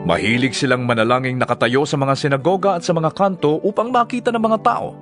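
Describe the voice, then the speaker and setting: A man with a Filipino accent playing a solemn, earnest religious teacher in a dramatized scripture reading, with measured, declamatory delivery. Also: on the high side, fairly bright tone, faint music behind, close to an everyday voice. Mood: solemn, instructive. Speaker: voice actor.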